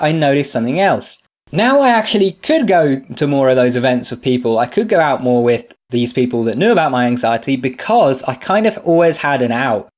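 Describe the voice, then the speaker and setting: A man's voice: mid-range voice, a little mellow. A young man with a stuffy nose from a sinus infection, talking earnestly and openly to camera in a casual vlog, with lots of fillers. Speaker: video creator.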